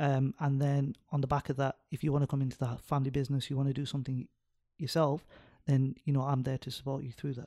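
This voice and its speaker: A man with a Lancashire accent speaks very fast in a monotone, with a fairly high pitch and a dark, mellow tone. The recording is very clean and dry, with a silent background and no echo. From northern England, Rochdale. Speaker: doctor. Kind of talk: casual chat.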